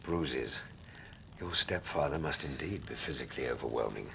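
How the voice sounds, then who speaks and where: An actor playing a steady doctor who narrates the tale in a hushed, husky voice. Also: male voice, very deep voice, normal speed, slight background noise, heavily acted. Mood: concerned. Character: solid, concerned male doctor and narrator. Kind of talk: radio drama narration.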